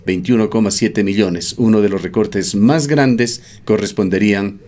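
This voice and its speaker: A man hosting a radio news program, interviewing a guest and reading a measured report with occasional fillers. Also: lowish voice, dark tone. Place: radio studio.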